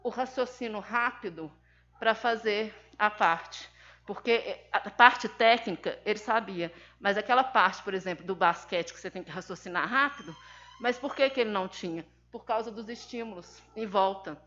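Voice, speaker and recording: A woman's voice: mid-range voice, moderate pace, fairly bright tone. A Brazilian woman, a mother, giving an emphatic, indignant personal testimony at a seminar, acting out the dialogue of her story. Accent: Brazilian Portuguese. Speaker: seminar speaker, mother of an autistic son. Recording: dull lo-fi sound.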